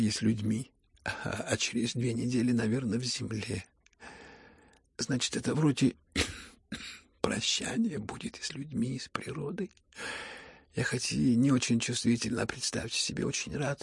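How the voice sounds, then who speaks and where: A man reading a storybook who voices a dying young man, calm and ironic, speaking hoarsely at barely a whisper. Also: medium pitch, no room sound, studio quality.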